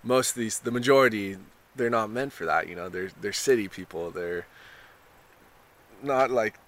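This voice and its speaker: A young man talking in a relaxed surfer way, full of "you know" and "like", in a casual interview. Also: fairly low pitch, normal speed, a little hiss or hum. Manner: laid-back surfer talk, lots of "you know" and "like". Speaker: contestant being interviewed.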